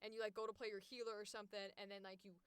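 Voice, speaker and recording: Female streamer, casual and excitable, clean ringing tone, very dry close sound. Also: medium pitch, very fast, clean tone, dry recording. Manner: expressive, excitable, blunt, swears casually. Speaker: livestream host and voice actor. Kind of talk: casual livestream chat, reading casting calls aloud.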